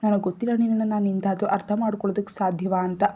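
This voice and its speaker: A woman voicing a stubborn young woman in a hospital bed, speaking softly and pleading, in a storybook reading. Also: medium pitch, fairly even intonation, rapid-fire, close to an everyday voice. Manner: soft, pleading. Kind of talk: storybook narration.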